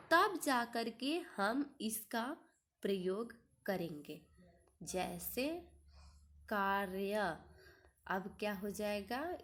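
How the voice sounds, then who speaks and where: Slow, patient kindergarten teacher, woman. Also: medium pitch, fairly bright tone. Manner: slow, drawn-out word-by-word reading, repeats and quizzes the class. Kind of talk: kindergarten Hindi lesson.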